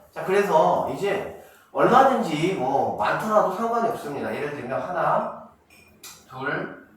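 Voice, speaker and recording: A middle-aged man giving a math lesson to middle school students, quizzing them and answering his own questions, drawing out key terms slowly. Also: a little high. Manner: asks students questions and answers them himself, counts steps aloud. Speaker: math academy director teaching middle school. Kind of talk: classroom math lecture. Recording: echoey room, distant mic, faint noise.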